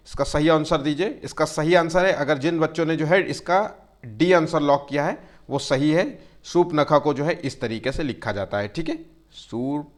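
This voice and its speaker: Male grammar tutor, fairly high voice, habitual fillers, stretches words slowly to spell them out, keeps reminding students to take care. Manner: tells students to take care and keeps checking "theek hai". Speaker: teacher. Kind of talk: exam-prep Hindi grammar lesson.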